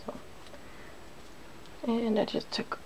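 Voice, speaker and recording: A woman hosting an ASMR video, talking softly through a hands-on demonstration and slipping now and then into whispers. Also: slow. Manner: soft-spoken, slipping into whispers. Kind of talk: ASMR, soft-spoken makeup demonstration. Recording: clear background noise.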